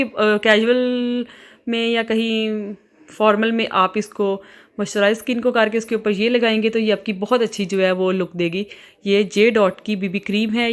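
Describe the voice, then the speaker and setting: A young woman from Pakistan speaks in an easygoing home vlog, her Pakistani Urdu accent plain in every phrase. She talks in a chatty, friendly flow and often pauses on filler sounds while she gathers her thoughts. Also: medium pitch. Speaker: vlogger.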